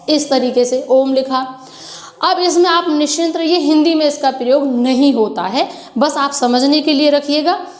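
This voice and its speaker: A woman's voice: high-pitched, darkish tone, reverberant. A woman teacher patiently explaining Hindi grammar for an exam, calling her students children and mixing in English words. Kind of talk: exam-prep grammar lesson.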